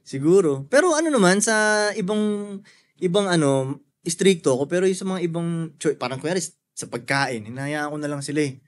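A man's voice: fairly high pitch, animated, a little fast. A young man chatting casually on a podcast, laid-back and slangy, swearing often. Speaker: podcast guest.

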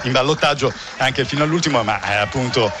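A man's voice: medium pitch, fast. A man giving analytical football commentary as a co-commentator. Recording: noisy radio feed with outdoor ambience.

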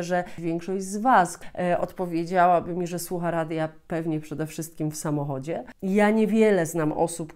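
Expressive woman explaining to camera. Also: lowish voice. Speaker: host of a video channel for teachers of Polish. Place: small furnished room at home, indoors.

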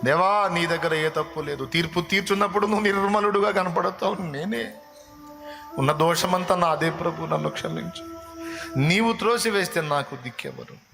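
A male preacher voicing a grief-stricken repentant king who begs God for forgiveness in high, wailing cries. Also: expressive, normal speed, vocal fry, over music. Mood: remorseful prayer.

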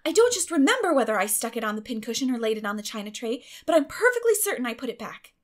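An earnest little orphan girl, acted out by a woman narrator, speaking in a raised pitch. She is dramatic and emphatic, defiant yet meek, like a heroine in a classic storybook. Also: sing-song, quick pace. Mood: defiant, solemn. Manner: emphatic, solemn protesting.

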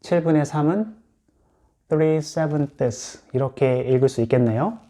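Slow, mellow-voiced Korean English teacher. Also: male voice, on the high side. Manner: slow, patient, repeats English words for practice. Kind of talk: explanatory lesson.

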